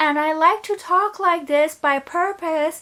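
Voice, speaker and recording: Using a put-on character voice, a woman raises and projects an extremely high, squeaky voice at a fairly slow pace on a very clean recording with a silent background. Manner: put-on, exaggerated.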